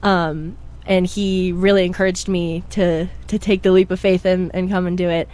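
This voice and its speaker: Young woman guest, chatty and bubbly, pitched a little low, casual interview. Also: little pitch movement, normal speed, a little mellow. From Pennsylvania. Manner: bubbly, chatty, full of fillers. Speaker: guest musician.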